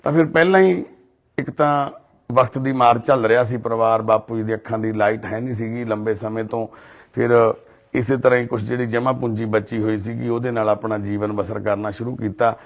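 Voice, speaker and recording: Outdoors in a residential colony, an earnest Punjabi man who hosts for a charity gives documentary narration and consoling talk. His voice is medium-pitched, steady, and a little fast. He sounds soothing and speaks of divine duty.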